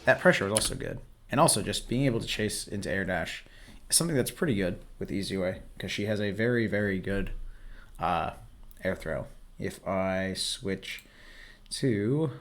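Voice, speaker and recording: A man with a somewhat low voice that sounds hoarse and worn out, as if strained from shouting. He talks in a relaxed, explanatory way, coaching the listener while he reviews game footage. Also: normal speed. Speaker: host. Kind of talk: casual commentary over gameplay footage.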